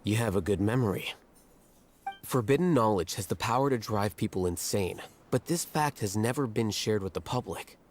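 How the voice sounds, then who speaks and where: A man playing an arrogant, cool-headed scholar in a fantasy video game, speaking in a measured, formal, condescending way. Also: on the low side, lively intonation, slight background noise, natural voice. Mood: coolly analytical. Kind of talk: scripted video game dialogue.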